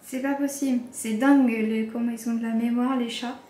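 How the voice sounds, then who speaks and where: A woman's voice: on the high side, steady tone, moderate pace, dark tone. Chatty woman with a stuffy nose. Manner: chatty, rambling, with many fillers and restarts. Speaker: vlogger. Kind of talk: casual vlog chat to camera. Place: indoors in a holiday rental, later outdoors by a bay. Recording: roomy echo with faint background music.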